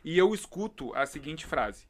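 A man comedian telling stories loudly in casual podcast chat, swearing freely. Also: fairly high pitch, very animated. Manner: loud, fast storytelling, swears.

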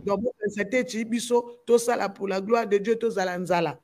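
Heavy background noise surrounds a woman speaking at normal speed in a steady, mid-range voice. She's from the Democratic Republic of the Congo, has a Congolese French accent, and is a gospel musician who speaks passionately on a talk show, repeating phrases to stress them.

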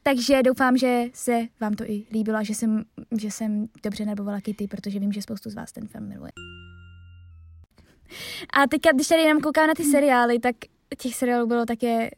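A woman's voice: a little high, fairly even intonation, dry recording. A young woman, a voice actress, chatting casually and reflectively about her dubbing roles, often trailing off.

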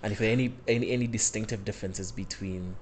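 A man hosting a casual podcast interview in an office, chatty and quick to laugh along with his guest. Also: lowish voice, steady tone, a little hiss or hum. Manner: chatty, laughs along, frequent yeah and mm-hmm. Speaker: podcast host.

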